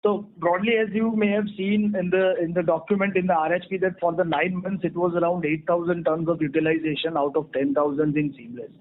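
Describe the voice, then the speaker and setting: A man with an Indian accent answering analysts as a company executive on an earnings call, in formal, measured explanations. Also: high voice, fairly even intonation. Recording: tinny phone-line conference call.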